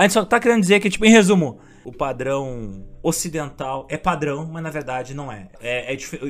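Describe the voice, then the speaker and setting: A man with a Brazilian accent talks at a moderate pace and fairly high pitch. His pitch swings very widely and his loudness shifts a lot. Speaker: podcast host. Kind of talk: casual chat, history storytelling. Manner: humorous, animated.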